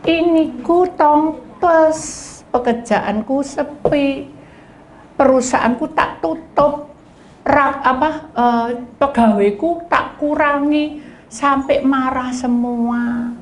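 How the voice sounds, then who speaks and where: A woman voicing a worried, broke business owner who pleads with the pastor in a slow, drawling complaint. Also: sits high, roomy sound, voice pushed up. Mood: plaintive.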